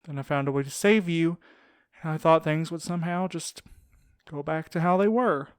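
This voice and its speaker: An actor in an audio drama playing a tender, grieving man who speaks haltingly and pleads with his lover. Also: a little high, smooth, no echo, studio quality, lightly acted. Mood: anguished regret.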